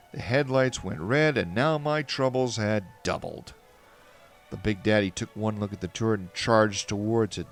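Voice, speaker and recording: A man narrating a first-person fan fiction story in a wry, earnest way. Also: on the low side.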